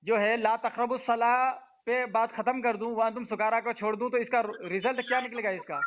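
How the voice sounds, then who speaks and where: High-pitched man debating over a phone line. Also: steady tone, moderate pace. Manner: pressing, repeats questions, interrupts. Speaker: religious debater. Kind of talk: heated religious debate. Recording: tinny phone-line audio.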